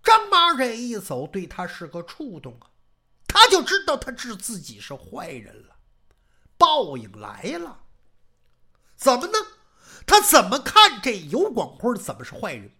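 A middle-aged woman performing a traditional spoken story with bright, forceful delivery. Her voice is husky, and her pitch swings widely as she drives home each dramatic point. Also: wildly swooping pitch, measured pace. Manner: dramatic, emphatic, asks the audience questions.

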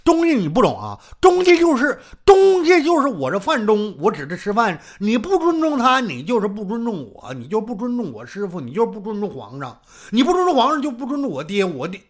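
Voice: sing-song, fairly quick. A storyteller doing a tongue-tied pompous young noble. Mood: indignant. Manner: mumbling, stammering, slurred, low.

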